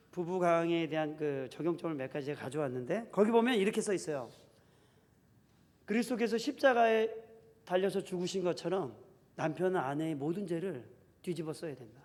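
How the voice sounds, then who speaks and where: A male pastor preaching an animated sermon in a church, acting out quoted husbands and wives as he goes. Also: high voice. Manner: animated preaching, acts out spouses' quarrels in quoted voices. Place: church sanctuary. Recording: reverberant church hall.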